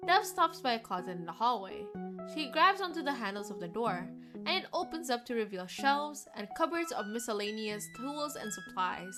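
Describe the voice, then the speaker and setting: A woman game streamer reading visual novel narration aloud in an expressive storytelling manner. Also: on the high side, normal speed. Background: game music.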